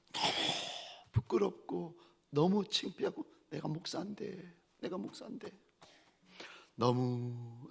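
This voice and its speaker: A middle-aged man preaching as a pastor, telling a story with sudden swings from loud cries to near whispers. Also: on the high side. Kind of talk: sermon.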